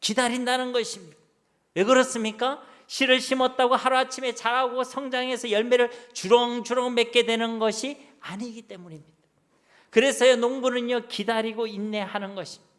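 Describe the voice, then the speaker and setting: A man's voice: very high voice, brisk, a bit bright. A middle-aged man with a Gyeongsang Korean accent preaching a sermon as pastor, asking the congregation rhetorical questions.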